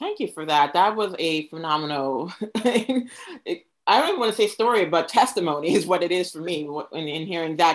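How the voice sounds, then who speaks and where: A woman talks at a fairly quick pace over a quiet background. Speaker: nonprofit executive director moderating panel; panel host interviewer. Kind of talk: panel interview. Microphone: video call.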